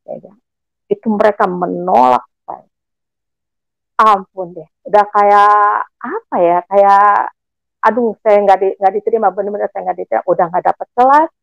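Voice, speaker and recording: A woman's voice: mid-range voice, normal speed, gravelly, long pauses, no echo. A woman in her sixties giving a personal testimony as a guest, telling her story with animation and acting out the conversations she recalls. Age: 60s. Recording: dull lo-fi recording with faint music.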